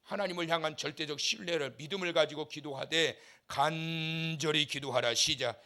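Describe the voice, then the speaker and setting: A male pastor preaching a fervent revival sermon in a church, swinging from shouts to quiet asides and leading the congregation in call-and-response. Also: on the high side, a little fast. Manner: impassioned, shifts between shouting and soft asides. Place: church sanctuary.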